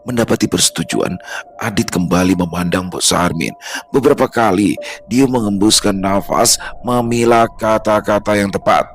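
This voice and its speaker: A man narrating a horror story in a slow, hushed storytelling manner. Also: lowish voice. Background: faint background music.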